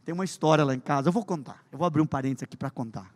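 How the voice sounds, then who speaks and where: A man preaching a sermon with humorous stories, swinging between loud emphasis and hushed asides. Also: on the high side, very fast, big-room sound. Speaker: pastor.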